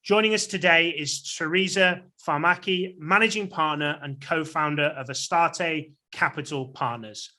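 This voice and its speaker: A man's voice: on the high side, moderate pace, few pauses, sharp tone. A man hosting a podcast, asking interview questions in a polite, upbeat way. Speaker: podcast host.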